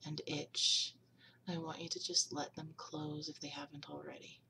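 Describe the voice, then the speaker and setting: A woman with a low voice talks a listener down into hypnosis, slow and soothing, slipping often into whispers. She sounds a little distant from the mic, with a faint hiss of room noise behind her. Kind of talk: guided hypnosis induction.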